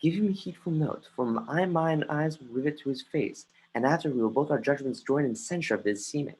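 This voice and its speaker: An actor playing an earnest, brooding young prince in a Shakespeare stage reading, with a husky voice and halting delivery. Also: male voice, fairly high pitch, darkish tone, low-quality recording. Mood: earnest confiding. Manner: halting, restarts phrases mid-line. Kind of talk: dramatic reading of Shakespeare, often stumbling. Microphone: home computer mic on a livestream.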